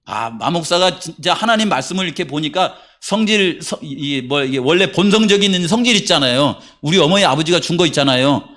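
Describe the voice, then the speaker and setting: In a church sanctuary, a middle-aged male pastor gives an animated, conversational sermon, throwing rhetorical questions at the congregation. His fairly high voice moves quickly with hardly any pauses.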